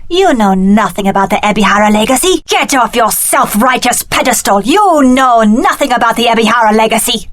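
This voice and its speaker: A woman's voice: fairly high pitch, expressive, brisk, hardly any pauses, no room sound, studio quality, lightly acted. A woman voicing a cunning young warrior heiress in a video game, with an articulate, dramatic delivery. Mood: scornful, menacing.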